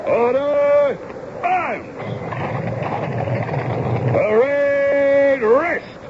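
Drawling, high-shouting army drill sergeant. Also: male voice, drawn-out words, full character voice. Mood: barking orders. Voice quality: loud, barking. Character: brisk army drill sergeant barking orders. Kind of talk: radio drama acting. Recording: muffled, very noisy old radio broadcast.

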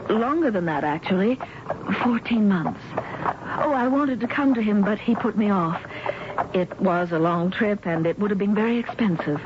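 A woman's voice: mid-range voice, expressive, normal speed, close to an everyday voice. An actress playing an anxious, reserved young woman in a turn-of-the-century radio drama, speaking formally and guardedly. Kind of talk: 1970s radio drama acting, first-person narration and dialogue. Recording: dull, noisy old radio recording.

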